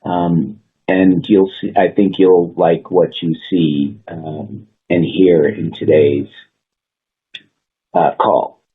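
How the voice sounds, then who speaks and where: Very deep-voiced man on a phone line. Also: flat delivery, slow pace, breathy edge. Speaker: company executive. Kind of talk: prepared earnings call remarks. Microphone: conference call line. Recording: muffled, phone-like conference call line.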